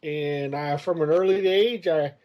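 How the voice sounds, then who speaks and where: A man in his fifties tells stories from his past on a podcast. His voice is mellow and a little high. He rambles loosely and drops hesitant fillers between phrases. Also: measured pace. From United States. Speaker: interview guest, comics creator. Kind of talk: casual storytelling interview.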